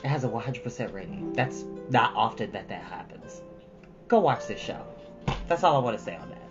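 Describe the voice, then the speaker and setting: A man's voice: mid-range voice, very animated, a little fast. A man hosting a stream, chatting casually and emphatically to his viewers in an informal, folksy way, often repeating himself for effect. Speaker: storytime stream host. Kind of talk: casual chat to live viewers. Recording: dull lo-fi audio, loud music.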